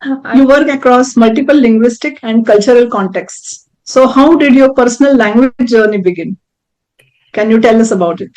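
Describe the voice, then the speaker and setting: High-voiced woman hosting an interview. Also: normal speed, a little mellow, low-quality recording. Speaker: host. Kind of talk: scripted introduction and interview.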